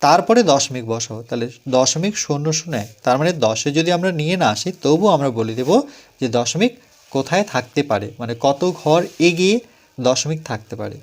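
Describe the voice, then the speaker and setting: A man's voice: medium pitch, animated, fairly quick. A man with a West Bengal Bengali accent, teaching a math lesson step by step and patiently counting each step aloud. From West Bengal, India. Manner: patient, repeats and counts steps aloud, asks and answers own questions. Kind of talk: step-by-step classroom explanation.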